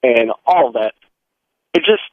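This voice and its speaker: A male caller from Michigan phones in while driving, his voice squeezed through a thin, tinny line that keeps breaking up. He talks in halting bits, full of pauses and restarts. His voice sits at an ordinary pitch and sounds dry, with no room around it. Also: animated, no echo. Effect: calling on a phone while driving, line breaking up. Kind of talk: call-in radio chat. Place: in a car.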